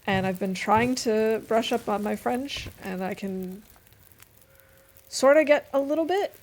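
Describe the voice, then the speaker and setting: A woman's voice: fairly high pitch, measured pace, a little mellow, a little hiss or hum. A woman streaming a game, chatting casually and thinking aloud with frequent fillers. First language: English. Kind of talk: casual gaming stream chat.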